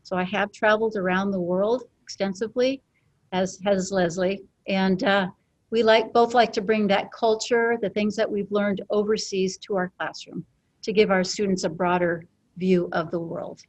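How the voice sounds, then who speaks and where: A woman's voice: medium pitch, steady tone, normal speed, dry recording. A woman born in Guatemala who teaches language, introducing herself to parents with a few fillers. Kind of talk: back-to-school night presentation.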